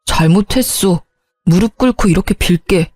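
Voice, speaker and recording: Woman doing a sorry young husband begging his wife, lowish and soft, storybook read. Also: moderate pace, no room sound, studio quality, soft background music, natural voice. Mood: pleading. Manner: pleading, apologetic.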